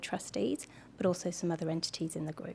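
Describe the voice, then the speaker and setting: A soft-spoken, somewhat breathy woman with a dark, mellow tone, at a fairly quick pace. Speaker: finance company executive, witness. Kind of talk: witness testimony. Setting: hearing room, courtroom. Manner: formal.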